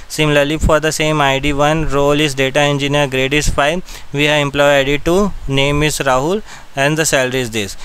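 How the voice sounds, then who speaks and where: A man with an Indian accent guides a learner through software one step at a time. His voice is smooth and clear, and he gives short, repeated instructions as he goes. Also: medium pitch, low-quality recording. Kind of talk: step-by-step screen-recording tutorial narration.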